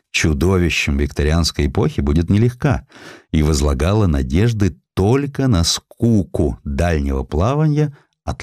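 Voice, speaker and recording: A man reading a historical essay as an audiobook narrator, in an expressive, dramatic storytelling manner. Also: sits low, dry recording, clean studio sound.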